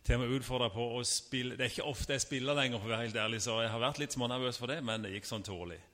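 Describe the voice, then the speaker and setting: A man in his fifties preaches in a conversational, personal way, often stopping to restart his sentences. His voice is mid-pitched, and a long reverb from the church hall trails behind his words. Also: sharp tone. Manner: casual and personal, with frequent fillers and restarts. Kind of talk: sermon.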